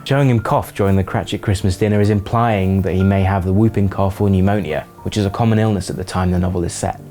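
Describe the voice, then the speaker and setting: A man with a fairly low voice narrates a video essay. He reads from a script in a measured, explanatory way, with faint music underneath. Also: steady tone, mellow.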